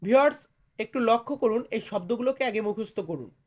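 A man teaching vocabulary in a slow lesson, repeating each word and its meaning with care. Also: sits high, expressive, darkish tone. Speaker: language teacher.

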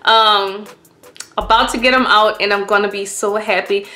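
A woman's voice: mid-range voice, steady tone, normal speed, sharp tone, reverberant, soft background music. A woman chatting casually to her viewers with braces on her teeth. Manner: chatty, addresses viewers as y'all. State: speaking with braces on. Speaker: vlogger. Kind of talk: casual talk to camera.

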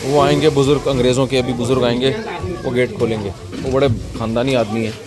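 A chatty man from Pakistan narrating a travel vlog outdoors at a train station, amused and thinking aloud. His voice sits at an ordinary mid pitch. Loud outdoor noise runs constantly behind him. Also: flat delivery, quick pace. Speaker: vlogger. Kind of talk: casual travel vlog commentary. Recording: heavy outdoor background noise.

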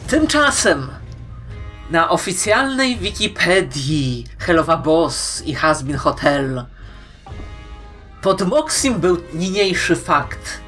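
A woman presents fan commentary straight to her viewers. Her voice sits fairly low for a woman, and she talks playfully with strong emphasis and dramatic pauses. Soft music runs faintly behind her. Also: very animated. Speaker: YouTube host.

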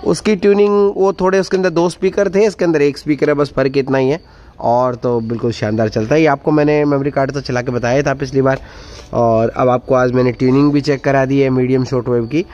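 A man's voice: medium pitch, fairly even intonation, a little fast, muffled recording. A man casually demonstrating a radio, chatty and enthusiastic, repeating his praise, recorded on a phone indoors. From India. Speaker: radio reviewer. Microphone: phone camera held close to the radio. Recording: loud radio music playing behind.

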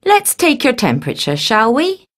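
A woman acting a calm school nurse in a scripted coursebook dialogue, speaking in a soothing, reassuring way. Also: on the high side, moderate pace.

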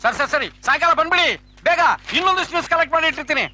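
An actor playing an excitable neighbour who eagerly spreads bad news. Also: male voice, extremely high pitch, slight background noise, heavily acted. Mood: excited. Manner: fast, excitable news gossip. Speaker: gossiping neighbour.

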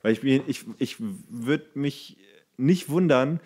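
A man's voice: medium pitch, slow pace, a little mellow, husky. A man co-hosting a podcast in casual chat, joking and teasing, laughing at his own jokes. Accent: German. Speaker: podcast co-host.

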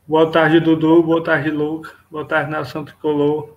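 A man's voice: a little high, monotone, unhurried, narrow, tinny audio. A man in his thirties giving casual sports opinions as a panelist on a video call. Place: room at home, indoors.

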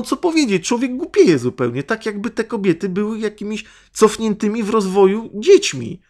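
A man from Poland hosting a podcast, delivering an angry, sarcastic monologue full of swearing and rhetorical questions. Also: on the high side. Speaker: podcast host. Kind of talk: ranting monologue.

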